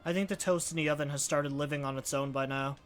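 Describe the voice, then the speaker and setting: A man's voice: fairly high pitch, fairly even intonation, quick pace. A man giving casual, wry, conversational commentary as he plays through a game on stream. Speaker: let's play streamer. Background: game music.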